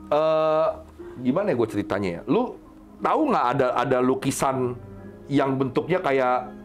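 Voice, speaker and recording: A man tells a story in casual podcast chat, his pitch swinging widely as he talks. He jumps into high, loud voices to act out his friends. Soft music plays faintly behind him. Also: normal speed. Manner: animated, jumps up high when acting out friends.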